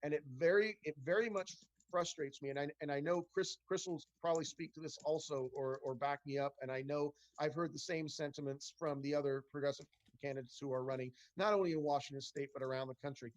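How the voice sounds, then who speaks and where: Middle-aged candidate, earnest, halting, slightly high voice, dry close video-call sound. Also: male voice, steady tone, dry recording, poor audio. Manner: earnest, many restarts and fillers. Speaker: congressional candidate. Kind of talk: town hall Q&A answers.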